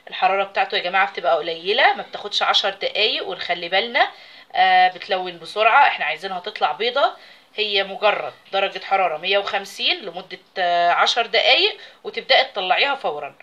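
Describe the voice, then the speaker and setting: A woman's voice: medium pitch, expressive, fast talker, pushed and bright, muffled recording. A woman with an Egyptian Arabic accent, hosting a home cooking video and chatting casually while she works with her hands. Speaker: cooking channel host. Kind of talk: casual recipe demonstration.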